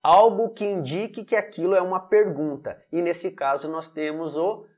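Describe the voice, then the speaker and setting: A Brazilian man teaching English grammar in an online lesson, often checking in with "alright?" and repeating example sentences slowly. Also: sits high, steady tone, darkish tone. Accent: Brazilian Portuguese.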